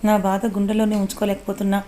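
A woman's voice: medium pitch, monotone, fast talker, slight background noise, natural voice. Woman reading as a furious young husband. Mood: grieving. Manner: shouting threats, then sobbing confession. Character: angry young husband searching for his wife.

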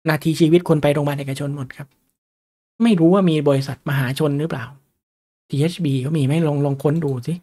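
A stock market teacher gives a relaxed, chatty lecture on stock charts. His voice is a little high for a man, and he often checks in with his audience through quick questions.

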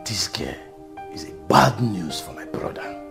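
A man's voice: fairly low pitch, big pitch swings, measured pace, creaky, music in the background, full character voice. An actor playing a scornful, mocking brother-in-law who openly accuses a woman. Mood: accusing. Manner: taunting, accusing.

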